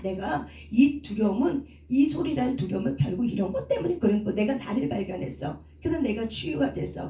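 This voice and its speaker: A middle-aged woman who works as a counselor and preacher delivers a teaching sermon, putting questions to the congregation. Her mellow voice sits on the high side. She poses rhetorical questions and answers them herself, captured from a distance in an echoey church hall, away from the mic.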